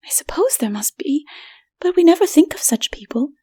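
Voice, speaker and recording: A female narrator plays a high-voiced, haughty but fearful woman in a dark fantasy storybook. The delivery is breathy and whispery, timid and trembling, with a snobbish streak. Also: very animated, normal speed. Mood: smug. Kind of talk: dramatic audiobook reading.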